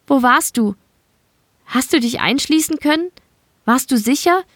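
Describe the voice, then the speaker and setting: A woman's voice: fairly high pitch, moderate pace, pitched above the performer's own voice, lightly acted. A woman voicing a beaten young female prison guard who speaks bitterly and reproachfully in an audiobook. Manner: reproachful, pointed.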